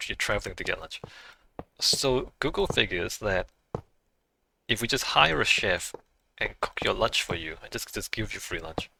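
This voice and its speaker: Bright-toned man musing on stream. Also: on the low side, gravelly, a little hiss or hum, low-quality recording. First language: not English. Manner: musing, thinking aloud with small laughs. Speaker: livestreamer playing a game. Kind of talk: casual livestream chat.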